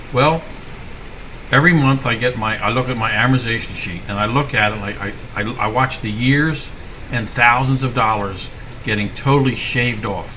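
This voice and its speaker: A man speaks at a moderate pace and medium pitch, his pitch varying in an ordinary way, with noticeable background noise and audible room echo. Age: 60s. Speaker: client giving testimonial. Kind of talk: testimonial.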